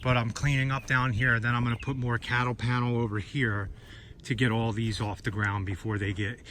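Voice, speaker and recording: A man's voice: mid-range voice, flat delivery, normal speed, fairly bright tone. A man chatting casually and informally in a folksy way, giving a vlog tour outdoors in a breezy garden. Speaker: vlogger showing his vegetable garden. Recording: noisy outdoor recording, breezy ambience.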